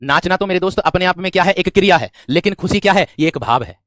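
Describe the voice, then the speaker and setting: This is a man teaching a grammar class for exam candidates. He keeps asking questions and answering them himself, and he often repeats phrases. His voice sits somewhat high and is recorded dry and close. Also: expressive, fast, a bit bright, no echo. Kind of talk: exam-prep grammar lesson.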